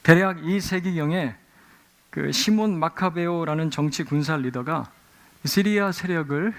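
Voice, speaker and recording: A middle-aged man preaching a Sunday sermon in a church, telling stories with lively acted-out exclamations. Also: fairly high pitch, measured pace. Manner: animated storytelling with acted-out exclamations. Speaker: pastor. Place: church sanctuary.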